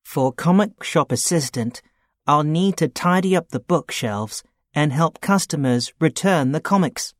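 A man playing a young man looking for a part-time job, talking in a plain, steady, matter-of-fact way in a scripted dialogue. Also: on the high side, measured pace, no echo, clean studio sound. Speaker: student character in a listening test.

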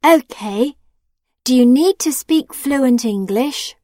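A woman playing a supportive young female friend who asks clearly enunciated questions in a scripted dialogue. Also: sits high, expressive, slow, warm tone, dry recording, studio quality, exaggerated voice. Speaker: friend character in a listening test.

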